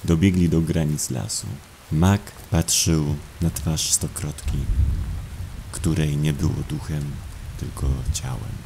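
Mężczyzna, narrator słuchowiska grozy, opowiada ponuro i miarowo. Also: male voice, rumbling low, steady tone, creaky, mellow, slight background noise. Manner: somber, measured storytelling. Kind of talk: scripted horror audio drama narration. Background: music.

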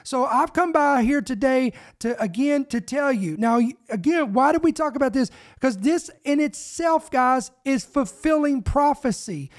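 A middle-aged man preaches and prays on his ministry podcast, fervent and emphatic. He speaks close into a boom microphone in a small home studio. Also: expressive, measured pace, few pauses. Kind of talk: podcast preaching and spoken prayer. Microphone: boom microphone close to the mouth.

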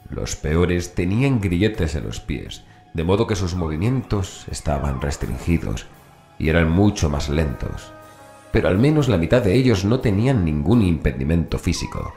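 A man's voice: sits low, big pitch swings, moderate pace, mellow. A man narrating a scripted horror story as an audiobook narrator, with music behind him. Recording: voice over background music.

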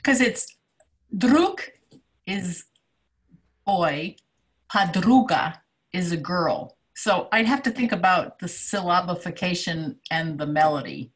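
A woman's voice: fairly low pitch, lively intonation, slow. A woman taking part in a workshop on a video call, hesitant and thinking aloud. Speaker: workshop participant. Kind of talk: casual video-call chat.

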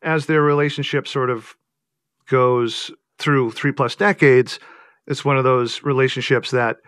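A man's voice: mid-range voice, fairly even intonation, unhurried, fairly bright tone, no echo, clean studio sound. Thoughtful man answering interview questions. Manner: thoughtful, hesitant, with many fillers and restarts. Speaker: author guest.

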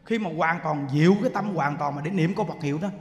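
A man's voice: fairly high pitch, quick pace. Southern Vietnamese male preacher, emphatic and questioning, long hall reverb around a raised voice. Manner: emphatic, with rhetorical questions, drops to soft chanting. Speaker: Buddhist teacher. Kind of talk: sermon. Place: temple hall.

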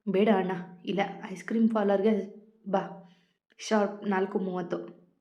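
A woman's voice: mid-range voice, steady tone, unhurried, warm tone, highs cut off, lightly acted. A woman voicing an earnest younger sister who talks in an insistent, pleading way.

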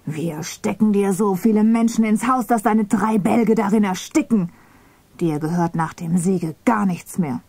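Harsh bullying official man barking threats slowly, woman reading it, breathy dark voice. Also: medium pitch, dry recording. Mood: menacing. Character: brutal male party official, bullying and threatening.

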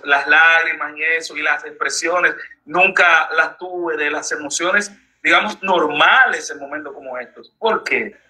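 A man's voice: on the high side, pushed and bright, low-quality recording. A man with a Dominican Spanish accent, interviewing a guest in an earnest, personal way and asking pointed questions. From Dominican Republic. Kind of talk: conversational interview.

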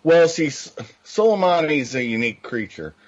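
A man's voice: fairly high pitch, expressive, moderate pace. A man who is a guest on a political talk show, speaking bluntly and in a matter-of-fact way. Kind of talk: political talk radio chat. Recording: dull lo-fi line.

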